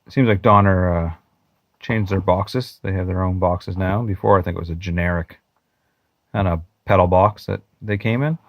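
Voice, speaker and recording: A man narrating an unboxing in a plain, matter-of-fact way, pausing now and then. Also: low voice, steady tone, no echo, muffled recording. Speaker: channel host.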